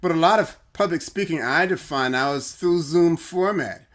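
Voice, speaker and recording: A man's voice: on the high side, normal speed, a bit bright. A man hosting a casual livestream debate, rambling playfully and laughing often as he questions his guest over a video call. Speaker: host.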